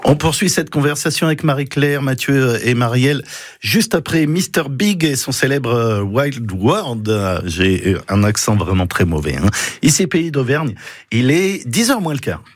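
A man hosts a radio talk segment and keeps the conversation moving. He asks questions and adds quick acknowledgements. The sound is dry and close. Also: medium pitch, big pitch swings, no echo. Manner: conversational, frequent backchannels. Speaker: radio host. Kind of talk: radio interview.

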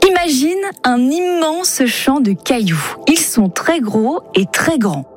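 A woman radio columnist explaining a science question to children in a gentle storytelling tone. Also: high-pitched, expressive, slow, faint music behind.

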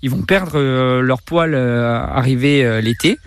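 A man's voice: mid-range voice, a little slow, clear, resonant tone. A middle-aged man from Corsica, a zoo director, talks while walking outdoors through the park, hesitant with many fillers and restarts. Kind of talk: interview on a walking tour.

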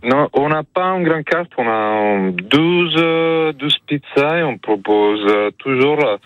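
Hesitant slow-talking pizzeria owner man. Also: mid-range voice, animated, muffled recording, slight background noise. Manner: hesitant, many fillers and restarts.

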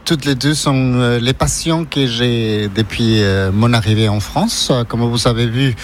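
A man's voice: mid-range voice, measured pace, a little hiss or hum. A middle-aged man from Ecuador, Spanish his first language, speaking French with an accent, talking earnestly about his ice cream shop in a radio interview.

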